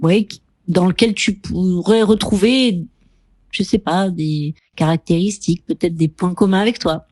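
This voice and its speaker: A woman's voice: lowish voice, measured pace, darkish tone, no room sound. A woman hosting a radio show, asking rambling, friendly questions full of fillers. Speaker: radio host. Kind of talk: casual radio interview. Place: radio studio.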